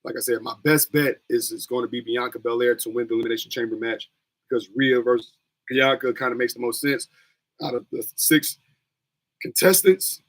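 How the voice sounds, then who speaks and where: A young man with a scratchy, mid-range voice talks a little fast with fairly even intonation. He's a streamer hosting a wrestling watch-along, chatting casually in loose, slangy, rambling fashion.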